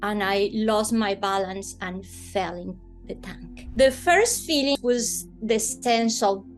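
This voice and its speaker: A woman with a Colombian accent, a native Spanish speaker, telling a personal story in an interview with expressive, dramatic emphasis. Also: mid-range voice, takes it slowly, faint music behind. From Bogota, Colombia.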